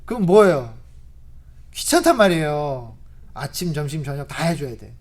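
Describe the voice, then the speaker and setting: At a church service, a woman preacher with a low voice delivers a conversational sermon at a moderate pace. She tells stories in an animated way, asks rhetorical questions, and laughs frequently.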